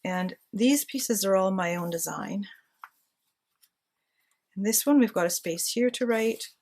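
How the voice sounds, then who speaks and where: At home with a handmade journal to decorate, a woman keeps up a casual crafting chat aimed at herself and her viewers. Her medium-pitched voice has a darkish tone and a measured pace.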